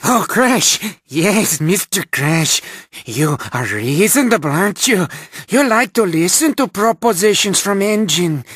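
A man voicing an unhinged, obsessive villain scientist in a video game, raspy and strained, with halting, melodramatic delivery. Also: high voice, expressive, a bit bright, no room sound, studio quality, exaggerated voice. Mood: ingratiating. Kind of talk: animated video game character acting.

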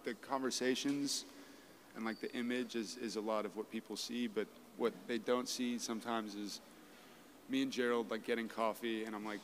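A man's voice: on the low side, fairly even intonation, normal speed, slight background noise. A young man from Los Angeles, a guest in a casual radio interview in an open event booth, chatting loosely with many "like"s. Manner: casual, frequent "like" and repeats. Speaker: youth advisory committee guest. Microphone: table mic on a stand with headphones.

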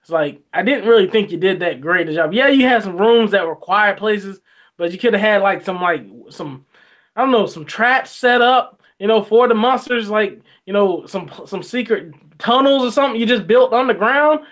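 A young man co-hosting a movie review chat, talking in an animated, colloquial way and laughing often. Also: high voice, normal speed, highs cut off. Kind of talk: casual chat.

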